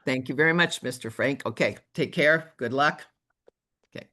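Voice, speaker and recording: A man acting as a district leader on a recorded meeting call, talking in a measured, hesitant way with many fillers. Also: medium pitch, pushed and bright.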